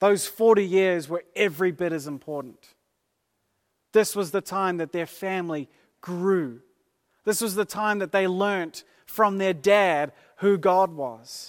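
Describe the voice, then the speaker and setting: Speaking at a fairly slow pace with long, frequent pauses, a man with an American accent uses a high pitch in a very clean recording with a silent background. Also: ordinary pitch variation. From New Zealand. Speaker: preacher. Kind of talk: sermon. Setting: church.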